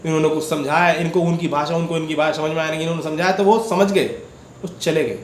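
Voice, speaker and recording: Man, devotional storyteller, slightly high voice, chatty and repetitive with questions to listeners; roomy echo on the recording. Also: fairly even intonation, quick pace. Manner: conversational, repeats words, asks listeners questions. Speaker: devotional channel host. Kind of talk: casual retelling of a viewer's dream experience.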